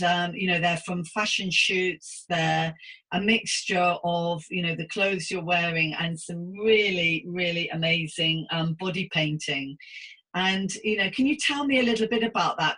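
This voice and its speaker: A woman's voice: on the low side, fairly bright tone, rough recording. A middle-aged British woman hosting a conversational interview, chatty and empathetic as she asks questions. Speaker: podcast host and interviewer.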